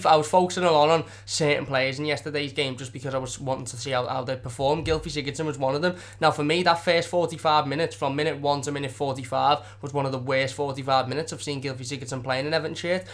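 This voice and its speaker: A young man with a hoarse, sore-throated voice runs a live football review stream from home. He talks quickly in a slightly raised pitch, passionate and rambling, repeating words as he goes. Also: fairly bright tone. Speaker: football fan channel host.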